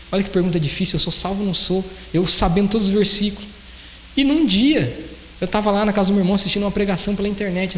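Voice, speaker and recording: A man preaches with a high voice and a quick, animated delivery, talking to the congregation as if chatting with them. He is recorded in a roomy church hall with long reverb, and a faint hiss sits under the voice. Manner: conversational, animated, personal testimony. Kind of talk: sermon.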